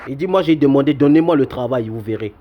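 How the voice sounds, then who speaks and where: A man's voice: mid-range voice, fast, highs cut off, slight background noise. A man with a Congolese French accent hosting an online channel, explaining and translating a speech in a hesitant way. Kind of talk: commentary and translation.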